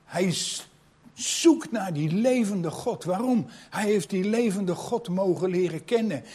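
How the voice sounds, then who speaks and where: A man gives a sermon at an unhurried pace in a fairly high voice. His tone is soft and slightly breathy, with a reflective, personal manner. He often turns to his listeners with rhetorical questions. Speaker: preacher.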